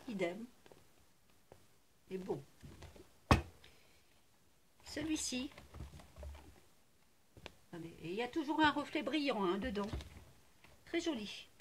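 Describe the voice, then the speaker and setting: A woman's voice: fairly high pitch, slight background noise. A woman chatting casually to camera about her craft haul, hesitant with many fillers, gushing and repeating herself. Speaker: crafting vlogger showing a haul.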